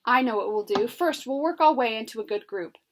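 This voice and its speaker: A woman voicing an upset teenage girl who complains in high, quick outbursts. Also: lively intonation, slight background noise, close to an everyday voice. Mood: apologetic, scheming.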